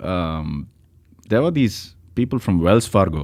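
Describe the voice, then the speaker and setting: The speaker has a strong Indian accent. The intonation is lively. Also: man. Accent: thick Indian. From India, Chennai. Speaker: stand-up comedian. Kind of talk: casual chat. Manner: halting, many fillers and restarts.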